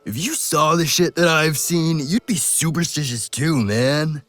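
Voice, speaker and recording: Game role: gruff, jaded mercenary, pitch a little high, faint music behind. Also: male voice, unhurried, fairly bright tone. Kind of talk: video game character acting.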